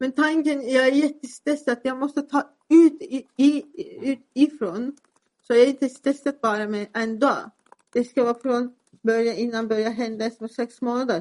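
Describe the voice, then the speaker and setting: With a Turkish accent, a woman speaks at a high pitch and a moderate pace with ordinary pitch variation. Her loudness swings widely, and the sound is dry and close with no echo. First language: Turkish (speaking Swedish). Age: 40s. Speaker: defendant in criminal trial. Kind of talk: court testimony under questioning. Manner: halting, hesitant.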